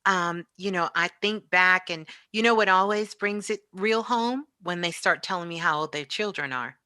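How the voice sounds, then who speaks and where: Bright-voiced woman in a dry space. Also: on the low side, normal speed, smooth, dry recording. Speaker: spiritual radio show host. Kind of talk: casual motivational spiritual talk.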